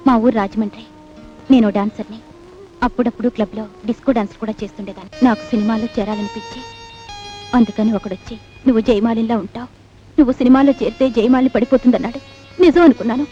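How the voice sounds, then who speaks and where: An actress playing a young dancer from Rajahmundry who was wrongly jailed, speaking in an impassioned, tearful way. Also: female voice, on the high side, steady tone, quick pace, dark tone, natural voice. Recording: dull old film soundtrack with music.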